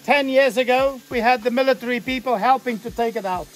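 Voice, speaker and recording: An older man guiding a walk outdoors, explaining plants and sights in halting, playful English. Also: very high-pitched. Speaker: tour guide. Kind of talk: guided walk commentary. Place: outdoors on a mountain path.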